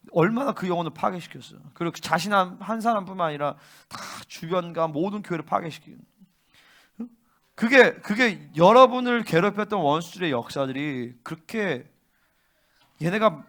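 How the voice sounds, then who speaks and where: A male pastor preaching a fervent sermon and often pressing his listeners with quick questions. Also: fairly high pitch, a bit bright. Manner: fervent, keeps prompting listeners with "응?".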